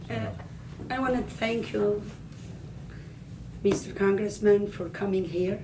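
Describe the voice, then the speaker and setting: A woman with an Albanian accent speaks at a fairly slow pace with long, frequent pauses and audible room echo. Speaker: organization member. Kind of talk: speech of thanks.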